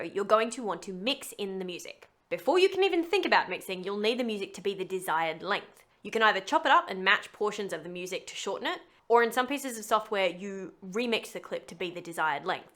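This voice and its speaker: A woman hosting a voice-over tutorial, explaining things to viewers in a chatty, expressive, emphatic way. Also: medium pitch.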